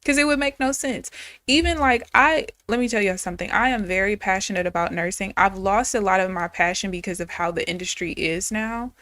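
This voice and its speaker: A woman's voice: mid-range voice, fairly quick, fairly bright tone, no room sound. A woman in her thirties, a day trader chatting candidly and casually with viewers on a live stream. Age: 30s.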